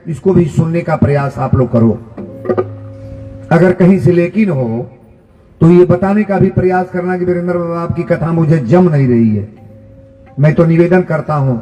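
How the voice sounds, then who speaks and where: A man with a Bhojpuri accent preaching a live devotional sermon, repeating lines for emphasis and chanting verses slowly. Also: high-pitched, darkish tone. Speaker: kathavachak preacher. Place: live religious gathering. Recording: echoey hall with music behind.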